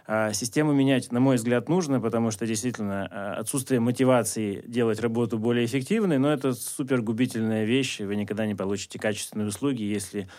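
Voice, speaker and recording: A man interviewing a guest, speaking quickly and hesitantly with many fillers and restarts. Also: medium pitch, darkish tone. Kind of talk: interview, asking probing questions.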